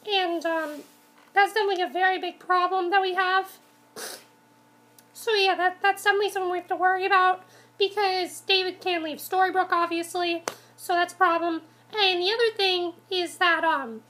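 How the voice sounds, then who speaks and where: A woman's voice: very high voice, fairly even intonation, moderate pace, bright, forceful tone. A woman casually reviewing a TV episode, congested from a cold, rambling with many ums and restarts.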